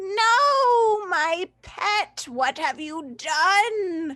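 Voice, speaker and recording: A female-sounding voice does a put-on character voice. The pitch is extremely high for a woman. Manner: anguished, wailing.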